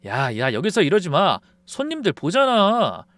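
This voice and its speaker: A man's voice: wildly swooping pitch, measured pace, a bit bright, no room sound, heavily acted. A man voicing a brazen, taunting middle-aged male friend who stole a recipe. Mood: smug. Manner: brazen, taunting, shrill when cornered.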